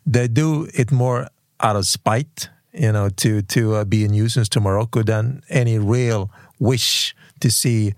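A man moderating a conversational panel discussion, halting and repeating words as he works toward his question. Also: lowish voice, dry recording, clean studio sound.

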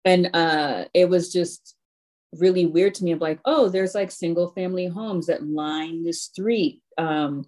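A woman from Haiti speaks as a guest on a podcast, recalling the past in a reflective, halting way. Her voice is somewhat low, and she pauses often with ums and restarts as she gathers her thoughts. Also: fairly even intonation, a little mellow. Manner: thoughtful, halting recollection with many fillers. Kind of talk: casual chat.

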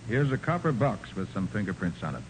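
A confident American private eye, with lively, swinging intonation. He is brisk and wry in the 1940s radio drama manner, heard through the light noise of an old broadcast recording. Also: fairly low pitch, poor audio. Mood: assured, matter-of-fact. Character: confident, dry-witted male private detective.

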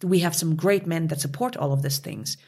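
A woman's voice: deep voice, a little fast, a little mellow, husky. A woman from Canada, speaking passionately and emphatically as an interview guest. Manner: passionate, emphatic, with rising outbursts. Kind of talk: conversational interview.

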